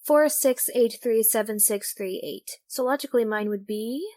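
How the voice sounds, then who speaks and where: A woman's voice: a little high, moderate pace, mellow, close to an everyday voice. A woman playing an earnest, inventive young tinkerer in an audio drama, explaining things conversationally. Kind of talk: amateur audio drama acting.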